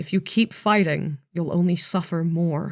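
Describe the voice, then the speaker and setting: A soft-spoken, put-on character voice at a middle pitch and moderate pace, on a very clean recording with a silent background. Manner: coaxing, menacing.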